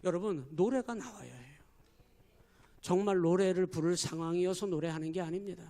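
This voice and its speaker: A man's voice: high voice, normal speed, warm tone. A man preaching a sermon as pastor, emphatic and forever addressing the congregation. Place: church.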